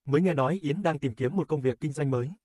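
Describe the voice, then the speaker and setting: A man voicing a friendly businessman making a neatly enunciated, upbeat sales pitch in a scripted cartoon advertisement. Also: quick pace, a little mellow, no echo, studio quality, lightly acted. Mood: friendly, persuasive.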